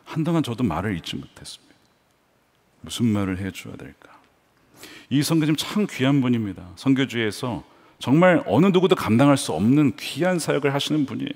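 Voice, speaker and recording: A man preaching a sermon as pastor, with dramatic swings from hushed storytelling to loud emphatic calls. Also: mid-range voice, sing-song, a little fast, long reverb tail. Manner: acts out quoted taunts in a raised voice.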